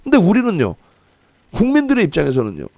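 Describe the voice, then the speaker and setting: A middle-aged man hosting a stock market channel, lecturing on currency and stocks with rhetorical questions and a scolding, lively manner. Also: high voice, fast talker, creaky, dry recording.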